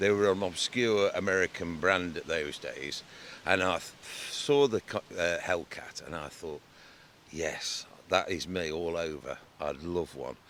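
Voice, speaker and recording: A man's very deep, low voice, fairly slow, with ordinary pitch variation and big swings in loudness. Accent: English. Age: 60s. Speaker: motorcycle mechanic and custom builder. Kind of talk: casual interview.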